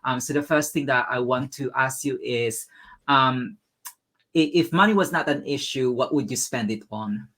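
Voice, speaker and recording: A woman's voice: rumbling low, moderate pace, a bit bright. A woman from the Philippines with a Filipino accent, hosting an interview and asking questions with frequent stumbles and repeated words. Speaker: interview host.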